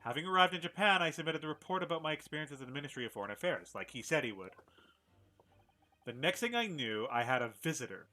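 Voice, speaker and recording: A man voicing a courteous young Japanese gentleman from a game, reading in a put-on English accent with formal diction. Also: fairly high pitch, animated, fast. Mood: earnest. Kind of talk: reading game dialogue aloud.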